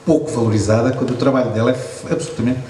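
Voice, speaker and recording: A man's voice: mid-range voice, steady tone, very fast, warm tone. A man, moderating a panel talk, emphatic and repeating points for stress. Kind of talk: quick remarks in a panel talk. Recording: echoey room, distant mic, faint noise.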